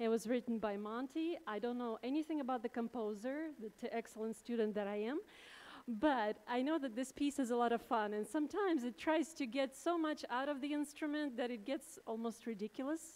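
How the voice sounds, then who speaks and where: A woman talks in a Russian accent with high pitch. Her pace is fairly quick, with ordinary pitch variation. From former USSR, Russia. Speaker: professional musician. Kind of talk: testimony. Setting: church.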